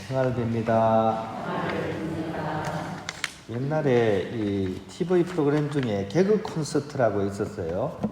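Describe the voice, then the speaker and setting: A man's voice: on the low side, mellow, a little hiss or hum. A man, a Catholic priest, reading the Gospel and then giving a playful homily that coaxes the congregation to join in. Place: large church. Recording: echoey church hall.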